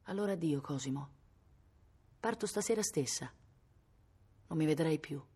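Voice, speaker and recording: A woman's voice: deep voice, lively intonation, normal speed, dark tone, breathy edge, exaggerated voice. A woman reading aloud, voicing a haughty, capricious young noblewoman who sounds cool and teasing. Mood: cold.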